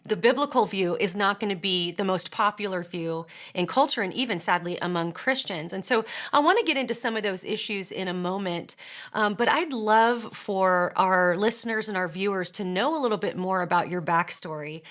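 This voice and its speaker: A woman hosting a podcast interview, introducing her guest in a warm, complimentary and clear way. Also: mid-range voice, normal speed. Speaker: host.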